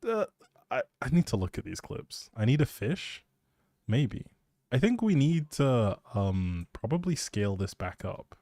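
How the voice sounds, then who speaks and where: A man's voice: medium pitch, big pitch swings, measured pace, dark tone, no echo, clean studio sound. A man chatting casually as a live streamer, playful and teasing as he thinks aloud while commenting on a game.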